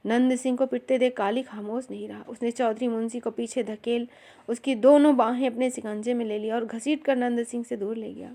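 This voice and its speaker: A woman reading a novel aloud in an even, measured storytelling manner. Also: fairly high pitch. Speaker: narrator.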